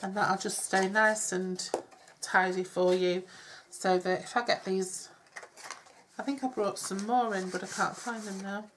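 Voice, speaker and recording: A middle-aged woman with a cold, chatting her way through a craft demonstration with soft, self-deprecating asides. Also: medium pitch, steady tone, a little slow, background noise. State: congested with a cold. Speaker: craft tutorial host. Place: home craft table. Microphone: overhead camera on hands, speaker off-screen.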